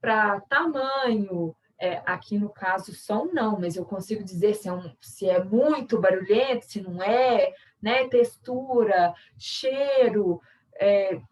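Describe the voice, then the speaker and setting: A woman's voice: fairly high pitch, measured pace, recorded from a distance, poor audio. Brazilian woman teaching over a call. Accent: Brazilian Portuguese. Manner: explanatory, conversational, many tag questions. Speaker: sign language interpreter and workshop teacher. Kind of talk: online workshop lesson.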